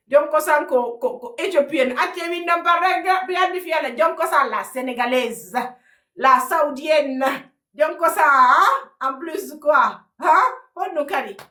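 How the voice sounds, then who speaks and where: Animated high-voiced woman streaming live. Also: far from the mic. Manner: animated, teasing, laughing, shifting between French and local words. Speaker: live streamer answering viewers. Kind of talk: casual live-stream chat. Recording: echoey room, off-mic.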